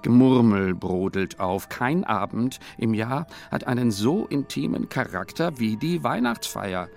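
Low, gravelly male narrator with a faint music bed; scripted storybook read. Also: expressive, a little mellow. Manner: measured, descriptive storytelling.

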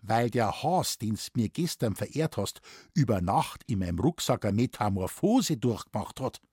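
A gruff, sharp-tongued village doctor with a Bavarian accent, as a male narrator plays him. His voice is husky and dry, blunt and teasing in broad dialect. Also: on the low side, sing-song, moderate pace, no room sound. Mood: scolding.

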